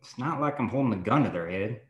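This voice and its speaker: A man's voice: mid-range voice, animated, fast talker, lo-fi sound, close to an everyday voice. A man reading a wry, laid-back police chief in an echoey room. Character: cocky, womanizing police chief. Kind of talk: screenplay table read.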